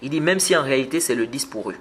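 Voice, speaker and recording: A man's voice: mid-range voice, lively intonation, very fast, fairly bright tone. A man giving a religious lesson, explaining patiently, repeating words and rising when he stresses a point. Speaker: Islamic teacher.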